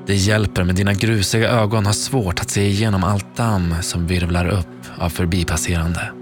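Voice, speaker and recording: Male narrator, low voice, slow hushed dramatic reading, music bed underneath. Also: little pitch movement. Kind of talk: second-person scripted audio story narration. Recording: narration over clear background music.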